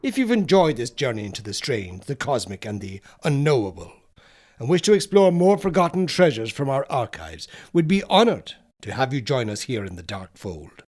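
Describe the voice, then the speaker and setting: A man narrating gothic horror in a solemn, theatrical way with deliberate phrasing. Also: medium pitch, big pitch swings, darkish tone.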